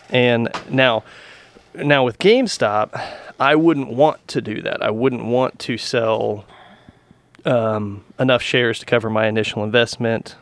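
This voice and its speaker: A man co-hosting a podcast, chatting casually and rambling with lots of restarts and fillers. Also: medium pitch. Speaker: podcast co-host. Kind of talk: casual chat about stocks.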